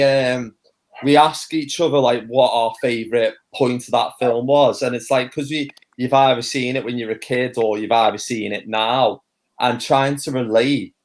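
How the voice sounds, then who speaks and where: A man co-hosting a relaxed film chat over a video call. He rambles and teases, restarting sentences as he hunts for the point, at an everyday pitch. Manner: rambling, teasing, halting restarts. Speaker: co-host.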